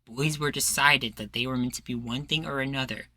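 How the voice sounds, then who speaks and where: A man's voice: mid-range voice, fairly even intonation, fairly quick, bright, forceful tone. A man playing an earnest, persuasive rebel leader in a roleplay, making speeches with a folksy turn of phrase. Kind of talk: roleplay ASMR acting.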